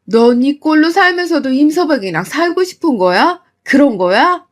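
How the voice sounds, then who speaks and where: A woman voicing a protective middle-aged mother who scolds her daughter loudly. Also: a little high, steady tone, takes it slowly. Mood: indignant. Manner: scolding, loud.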